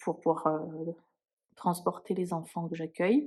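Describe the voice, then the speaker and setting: A woman's voice with fairly even intonation. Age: 30s. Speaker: budgeting vlogger, childminder. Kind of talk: casual vlog talk to camera. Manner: hesitant, many fillers.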